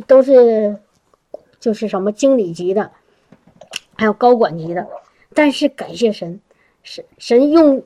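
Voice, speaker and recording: A woman recounts a personal testimony, telling it in an animated, lively way. Her voice sits a little high, and she often breaks into exclamations of praise. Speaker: church member giving a testimony.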